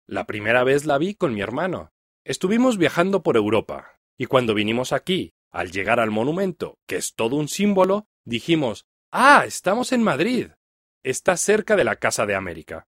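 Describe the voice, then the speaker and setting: A middle-aged man from Mexico with a Mexican Spanish accent, reading a first-person text aloud for language learners in a clear, even delivery. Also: mid-range voice, dry recording, studio quality. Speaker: reader of a listening text.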